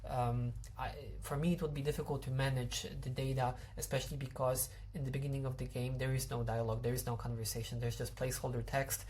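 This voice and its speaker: A man's voice: mid-range voice, level tone, fast talker, few pauses, darkish tone, slight background noise. A young man, a game developer explaining his code, hesitant with many fillers and restarts. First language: Polish.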